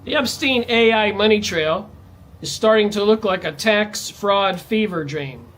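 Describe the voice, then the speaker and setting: A man's voice: measured pace, fairly bright tone. Man ranting in an emphatic monologue. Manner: emphatic, ranting, pitch jumping up on stressed words. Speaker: vlogger. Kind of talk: monologue to camera.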